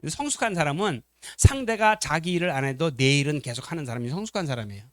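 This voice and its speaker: High-voiced, animated male preacher. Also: fast, no room sound, clean studio sound. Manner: animated storytelling, acts out quotes, questions the congregation. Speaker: pastor. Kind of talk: sermon at a family seminar. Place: church.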